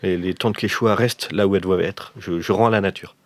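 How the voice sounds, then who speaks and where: Man playing a low, pompous, hesitant artist. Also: fairly even intonation, no room sound. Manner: pompous, formal, halting. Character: vain, hesitant male artist-adventurer, self-important and polite.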